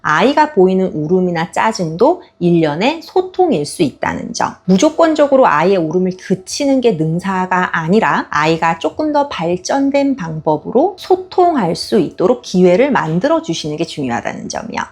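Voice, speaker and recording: A woman in her thirties gives a calm, reassuring parenting lesson as a speech therapist. Her voice is soft and breathy, with a lively, rising and falling pitch. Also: moderate pace, hardly any pauses. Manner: gentle, reassuring, acts out toddler sounds and parent phrases.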